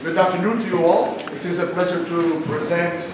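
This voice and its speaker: A man in his fifties from the Azores introducing a speaker on a stage, halting often with fillers and restarts. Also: high voice. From Portugal, Azores. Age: 50s. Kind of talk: hesitant formal introduction. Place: stage of a small venue, indoors. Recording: echoey hall from a distance, noisy.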